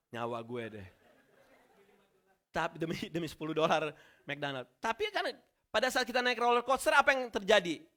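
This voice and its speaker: Male pastor, high bright voice, animated sermon storytelling. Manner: lively storytelling with slang and shouted reenactments. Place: church.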